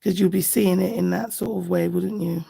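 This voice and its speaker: Casual livestream host: woman, slightly lower-pitched, gravelly and hoarse, chatty and affectionate. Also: steady tone, moderate pace, dark tone. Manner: chatty, affectionate, thinking aloud. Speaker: nail art livestream host. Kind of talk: casual live chat while doing nails.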